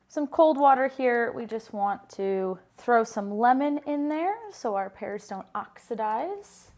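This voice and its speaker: A woman's voice: medium pitch, darkish tone. An American woman in her thirties, a pastry chef hosting a casual home cooking tutorial in her kitchen, upbeat and chatty with lots of "like" fillers. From United States. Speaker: baker and pastry chef, cooking show host.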